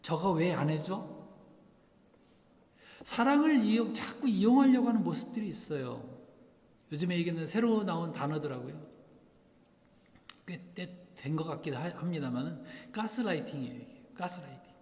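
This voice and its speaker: A male pastor preaching in a church sanctuary, his voice sitting a little high for a man. He keeps putting rhetorical questions to the congregation and acts out the lines he quotes. A long hall reverb trails after each phrase. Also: animated, moderate pace, dark tone. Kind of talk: sermon.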